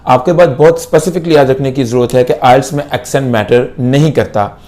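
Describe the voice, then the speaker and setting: Teaching to camera, this young Pakistani man, an IELTS instructor, blends English into his Urdu and repeats key points for emphasis. He speaks briskly in a medium-pitched, slightly mellow voice.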